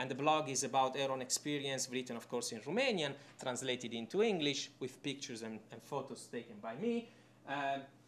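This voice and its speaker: At a moderate pace, a man with an Italian accent talks in a fairly high pitch. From Italy. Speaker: academic researcher. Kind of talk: conference presentation. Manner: halting, many fillers.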